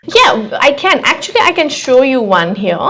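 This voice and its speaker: A woman's voice: high-pitched, sing-song, normal speed, fairly bright tone, low-quality recording. A woman working as a language test coach, talking casually in a question-and-answer discussion.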